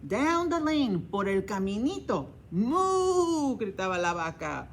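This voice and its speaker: A woman's voice: medium pitch, very animated, unhurried, slight background noise. A woman librarian reading a children's story aloud, each line in English then Spanish, with animal sounds.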